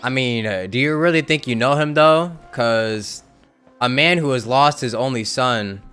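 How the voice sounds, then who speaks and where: A man's voice: medium pitch, unhurried, fairly bright tone, smooth. A man streaming a video game, reacting and commenting casually with informal, mildly profane language. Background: game music.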